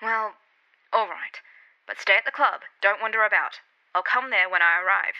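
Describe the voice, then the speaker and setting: A woman's voice: medium pitch, moderate pace, lightly acted. A woman voicing a worried, protective middle-aged father who talks in clipped, urgent lines. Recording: dull lo-fi recording.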